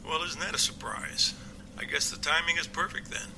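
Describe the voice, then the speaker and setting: A man's voice: fairly high pitch, moderate pace, vocal fry, background noise. A man playing a plainspoken, confident police captain in an amateur audio drama, homespun and matter-of-fact.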